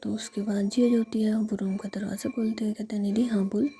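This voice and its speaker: A woman narrating a story in a steady whisper. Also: mid-range voice, fast, a little hiss or hum.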